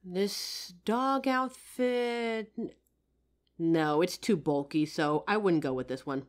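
A woman playing a kind, playful psychic who gently helps a ghost in an audio roleplay. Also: lowish voice, slow. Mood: helpful, chatty. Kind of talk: audio roleplay addressed to the listener.

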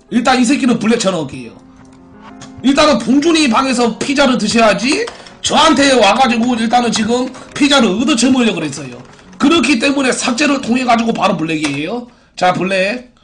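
A man's voice: very high-pitched, very animated, fairly quick, fairly bright tone, faint music behind. A man in his twenties hosting a live stream, reading out viewer posts and giving theatrical announcer-like verdicts in a brash, crude, mocking way. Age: 20s. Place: small indoor room at a computer.

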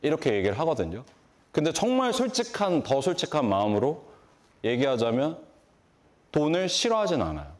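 A man giving a motivational lecture on stage, throwing rhetorical questions at the audience and answering them himself. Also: brisk. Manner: lively, swooping delivery with sudden pitch jumps. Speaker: hairdressing instructor and brand owner. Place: large conference stage before an audience.

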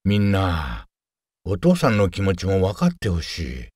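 A man playing a gentle, earnest father in a family drama, pleading sincerely. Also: low-pitched, wildly swooping pitch, measured pace, slightly rough, no echo, clean studio sound, exaggerated voice.

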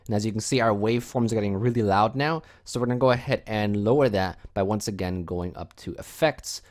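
A man narrating a software tutorial in a casual, explanatory step-by-step way as its host. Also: lowish voice, brisk.

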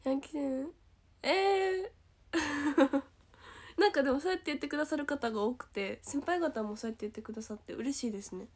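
A young woman with a Kansai accent hosts a casual livestream, high and sweet in pitch. She reads comments aloud and thanks viewers, giggling often and slipping now and then into a hushed whisper. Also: moderate pace. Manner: giggly, bubbly, drops to soft whispers. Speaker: idol livestream host.

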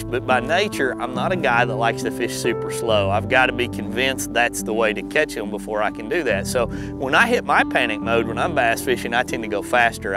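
A middle-aged man hosting a fishing show, giving casual, conversational commentary in a folksy way. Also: mid-range voice.

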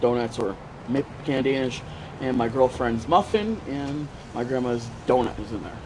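At medium pitch and normal speed, a congested male vlogger rambles over a noisy background. His talk to the arm's-length action camera is casual and full of fillers as he wanders from bedroom to street to store.

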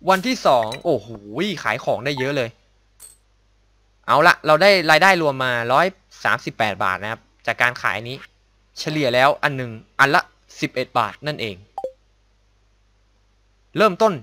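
Excitable man narrating his gameplay. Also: mid-range voice, normal speed, pauses often, no room sound. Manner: excitable, exclaims and mutters to himself, makes sound effects. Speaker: gameplay commentator. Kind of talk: casual let's-play commentary.

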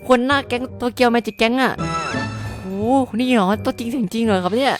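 A woman's voice: fairly high pitch, quick pace, music in the background, lightly acted. Takemichi, woman as a flustered teen hero. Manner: flustered, polite, stammering. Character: nervous kind-hearted teenage boy hero. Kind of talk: game cartoon voice acting.

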